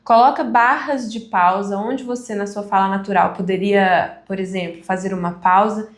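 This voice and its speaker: A woman instructor giving a live online class on speaking, conversational with deliberate pauses. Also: medium pitch, steady tone, reverberant. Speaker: communication instructor.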